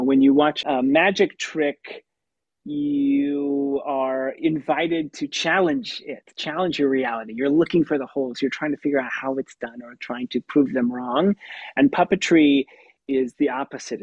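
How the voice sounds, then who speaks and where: Man, puppeteer, youthful tenor voice, animated, slightly husky tone, dry sound. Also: fairly high pitch, normal speed, no room sound, muffled recording. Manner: animated, laughs often. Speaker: puppeteer and voice actor. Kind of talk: conversational interview answers.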